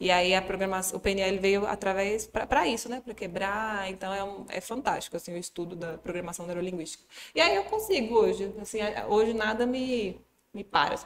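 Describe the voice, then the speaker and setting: A woman of medium pitch speaks at a moderate pace with ordinary pitch variation over noticeable background noise. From Brasília, Brazil. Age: 30s. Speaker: image consultant. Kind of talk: casual chat.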